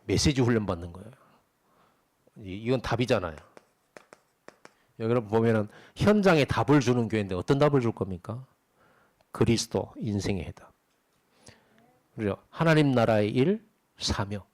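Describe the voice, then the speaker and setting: A middle-aged male pastor with a lowish voice delivers a sermon at normal speed, conversational and animated, with long pauses. He often poses rhetorical questions to the congregation.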